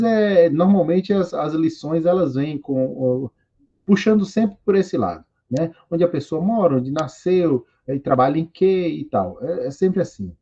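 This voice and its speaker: A man's voice: fairly high pitch, warm tone, slightly rough, highs cut off. A Brazilian man in his forties teaching an English lesson, rambling and correcting himself as he goes. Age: 40s. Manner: rambling, self-correcting, reads English lines slowly. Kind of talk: recorded online class.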